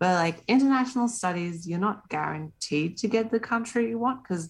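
A woman's pitch swings very widely. She keeps to a moderate pace. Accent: Australian. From Australia. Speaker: recent graduate. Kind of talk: casual chat.

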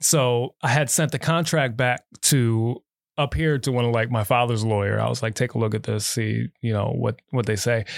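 Speaking with an American accent and an ordinary speaking voice, a man holds a medium pitch, ordinary pitch variation, very even loudness and a moderate pace, on a very clean recording with a silent background and a dry, close sound with no echo. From Allentown, Pennsylvania. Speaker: rapper and producer. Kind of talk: casual chat. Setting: home basement studio.

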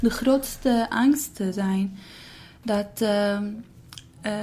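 A woman speaks very slowly in a fairly high pitch, her somewhat breathy voice dark and mellow in tone, with fairly even intonation. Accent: Arabic. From Syria. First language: Arabic (speaking Dutch). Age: 20s. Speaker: refugee. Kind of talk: interview. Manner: halting.

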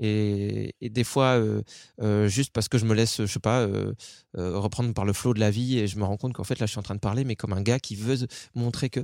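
A normal speaking voice at a fairly quick pace, with fairly even intonation and a dry, close sound with no echo. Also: man, fairly low pitch for a man. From rural France. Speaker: podcast host. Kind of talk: casual chat. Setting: in a caravan.

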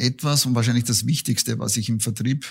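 A man speaks at a medium pitch with an Austrian accent. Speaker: business angel investor. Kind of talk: interview.

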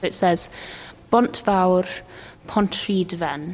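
In a Welsh accent, a woman talks at a very slow pace with fairly even intonation. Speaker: musician and singer-songwriter presenting a museum visit. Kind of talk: casual walking tour chat. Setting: on location in a museum.

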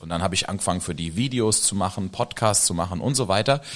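A man is speaking. His intonation is lively. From Ludwigshafen, Palatinate, Germany. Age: 30s. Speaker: tram driver. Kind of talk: casual chat.

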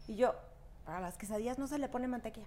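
A woman's high voice in a Mexican accent. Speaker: interior designer, singer's wife. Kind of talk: casual chat.

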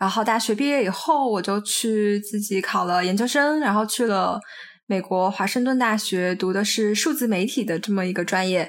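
A woman speaks at a moderate pace and a medium pitch in a plain, everyday voice. Her loudness stays very even, with ordinary pitch variation. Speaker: UX content writer. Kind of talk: interview conversation.

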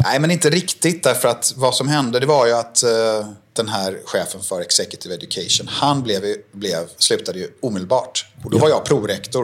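Over noticeable background noise, a man with a slight west coast Swedish accent speaks at a fairly quick pace, medium pitch and lively intonation. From Gothenburg, Sweden. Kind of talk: interview. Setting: his office.

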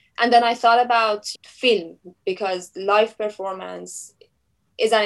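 A woman's voice with a Persian accent, monotone and flat, at a moderate pace. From Iran. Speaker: visual artist. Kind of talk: casual interview.

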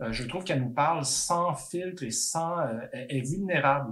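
A man with an ordinary speaking voice keeps a moderate pace, his intonation lively throughout. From Quebec City, Quebec. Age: 50s. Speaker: comic book artist. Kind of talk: interview conversation.

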